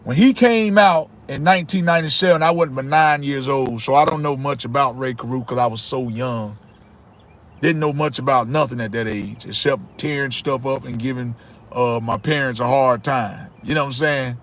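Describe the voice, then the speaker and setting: A man's voice: medium pitch, normal speed, fairly bright tone, slight background noise. A man, chatting casually with viewers on a livestream and repeating himself often. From Charlotte, North Carolina. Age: 30s. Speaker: livestream host. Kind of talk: casual live chat reading comments.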